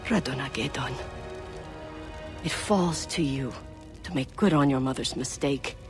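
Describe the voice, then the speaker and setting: A woman playing a stern tribal elder and spiritual guide in a video game, speaking in a solemn, deliberate, commanding way. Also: rumbling low. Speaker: game character giving guidance. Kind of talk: dramatic video game voice acting. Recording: music behind the voice.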